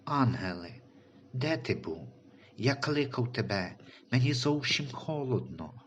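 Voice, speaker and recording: A man voicing a timid, trusting unborn baby boy in a Christian audio story, speaking softly and questioningly. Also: mid-range voice, sing-song, a little slow, dull audio, slight background noise. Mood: pleading.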